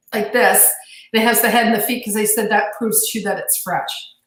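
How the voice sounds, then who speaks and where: A woman speaks at a fairly quick pace with a fairly high pitch. Some room echo can be heard. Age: 60s. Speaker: fish show judge and club member. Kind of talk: casual chat.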